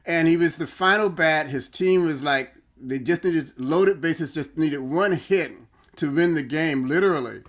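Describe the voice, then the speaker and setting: Halting man co-hosting a livestream. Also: a little high. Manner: halting, repeats words and restarts often; tells anecdotes, thinks aloud. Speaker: co-host of a livestream talk show. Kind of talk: casual livestream conversation.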